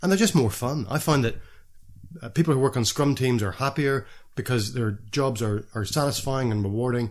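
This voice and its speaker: A man's somewhat breathy voice at medium pitch, very fast pace, ordinary pitch variation, on a very clean recording with a silent background. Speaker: podcast host and consultant. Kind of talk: conference presentation. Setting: live conference session.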